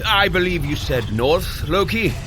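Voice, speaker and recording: A hearty, animated Norse god. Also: male voice, fairly high pitch, measured pace, background noise. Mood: rallying. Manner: grand, old-fashioned heroic phrasing. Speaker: workout guide in character. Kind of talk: audio adventure drama.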